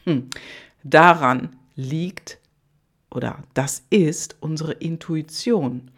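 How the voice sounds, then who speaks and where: A coach giving a motivational monologue straight to the listener, with repeated soft phrases, frequent fillers and self-corrections. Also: mid-range voice, very slow, slightly rough.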